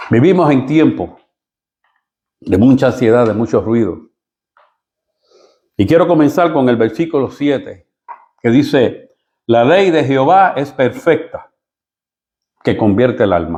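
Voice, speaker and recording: A man at medium pitch with very wide pitch swings, vocal fry, a fairly slow pace and long, frequent pauses. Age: 60s. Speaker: pastor. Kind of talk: bible study. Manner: halting.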